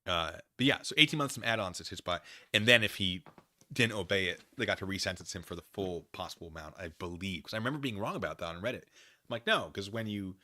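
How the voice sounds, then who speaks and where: Man, American accent, lowish bright voice, animated livestream host, casual digressive commentary, dry close sound. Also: fast talker, no room sound. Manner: animated, digressive, often losing his thread.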